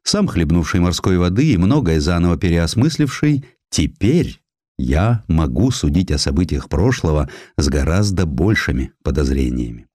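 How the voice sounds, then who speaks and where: A man narrating a scripted historical essay as an audiobook, telling it in an expressive, measured, literary manner. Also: low voice, husky, no echo, studio quality. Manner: expressive, measured storytelling delivery.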